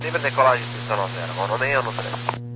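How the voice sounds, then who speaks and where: A man's voice: mid-range voice, animated, fairly quick. A man with a Brazilian accent speaking as an airline pilot, making clipped readbacks over a walkie-talkie style radio. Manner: clipped, procedural. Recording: very noisy radio with mains hum.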